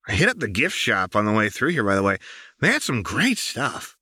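A man's voice: lowish voice, huge pitch swings, fairly quick, bright, forceful tone, husky, dry recording, studio quality, exaggerated voice. A man voicing a manic, taunting young woman outlaw in an audiobook, with teasing, sing-song questions. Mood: casually taunting. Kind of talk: audiobook character voice.

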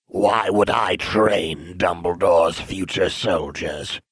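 Villain for audio storybook: a man as pompous disembodied dark lord, deep register, unhurried, deadpan, close dry sound. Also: slightly rough, no room sound, heavily acted. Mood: haughty. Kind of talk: fan fiction audio storytelling.

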